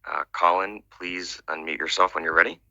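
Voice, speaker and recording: Male moderator, deep and bright-edged, courteous procedural announcements, lo-fi dry call sound. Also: steady tone, normal speed, no room sound. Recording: dull lo-fi conference call audio.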